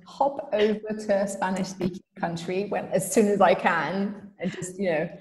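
A woman's voice: medium pitch, steady tone, normal speed, darkish tone. Woman interviewer, roomy echo, long reverb tail, encouraging, earphone mic on a video call. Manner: encouraging, brief reactions. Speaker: show presenter, interviewer.

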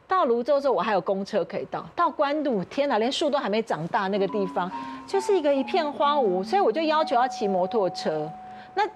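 A woman with a Taiwanese Mandarin accent, a talk show guest who tells an animated story and laughs often. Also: on the high side, noisy background. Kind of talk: casual talk show chat. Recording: studio mix with music underneath. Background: background music.

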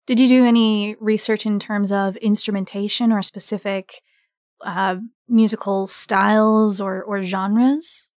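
A woman with a mid-pitched voice hosts an interview in a conversational style. She puts questions to guests, and her recording is dry. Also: steady tone, measured pace, a little mellow, no echo. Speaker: moderator asking questions.

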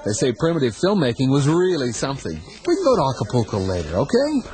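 A tense reassuring husband. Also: male voice, medium pitch, wildly swooping pitch, fast talker, darkish tone. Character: anxious husband on the run, young adult. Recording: radio drama with music. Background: music.

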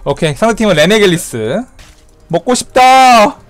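A man streaming a video game with live commentary, excitable and trash-talking playfully, shouting sound effects between slow remarks. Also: high voice, no room sound. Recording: game music playing behind.

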